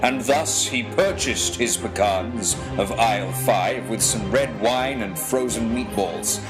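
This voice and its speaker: A man reading scripted fiction as an audiobook narrator, with a measured, dramatic storytelling delivery. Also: medium pitch, over music. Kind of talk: scripted literary narration, voice reel.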